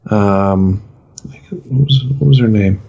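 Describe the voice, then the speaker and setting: A man's voice: lowish voice, slow pace, gravelly, mellow, slightly rough. Man, podcast co-host, movie reviews, rambling and profane, lo-fi dull sound. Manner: rambling, profane, lots of restarts. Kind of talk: casual chat.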